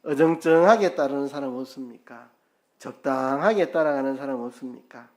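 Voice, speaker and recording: A man preaching a sermon as pastor, telling the story lively and acting out quotes, with his voice rising loud and dropping soft. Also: mid-range voice. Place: church sanctuary.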